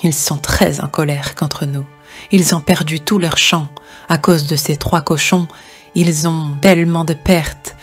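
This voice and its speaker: Low-voiced, sober cartoon sow played by a woman. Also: steady tone, measured pace, slightly rough, faint music behind. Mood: worried. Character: sober, knowing adult female pig advising the herd.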